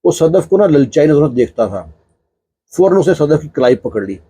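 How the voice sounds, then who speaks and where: A man's voice: on the high side, big pitch swings, warm tone, breathy edge, dry recording. A man narrating a family tale in a casual, conversational way, full of little fillers. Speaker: storyteller. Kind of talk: casual spoken storytelling.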